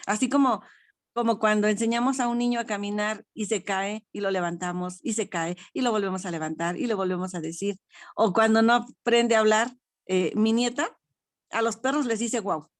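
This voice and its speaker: An older woman with a Mexican accent, part of a study group, gives a personal spiritual testimony. She's frank and self-deprecating and laughs often. Her mid-range voice stays steady at normal speed, and the studio recording is clean with no echo.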